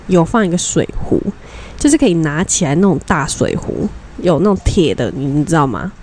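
A woman's voice: fairly low pitch, a little hiss or hum. A young woman, co-hosting a podcast and telling a story in casual chat, acting out the voices in her anecdotes. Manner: animated storytelling, acts out quoted dialogue. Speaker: podcast co-host.

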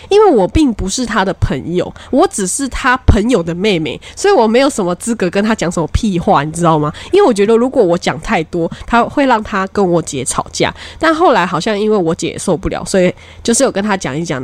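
A young woman talks casually as a podcast co-host. Her pitch swings widely, and she speaks straight to the listeners. The recording is close and dry. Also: no room sound. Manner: expressive, addresses listeners directly. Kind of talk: casual storytelling chat.

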